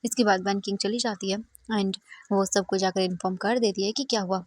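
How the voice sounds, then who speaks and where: A woman's voice: medium pitch, steady tone, fairly quick, a little mellow, no echo. A woman casually narrating her own fanfiction story, chatty and mixing in English words.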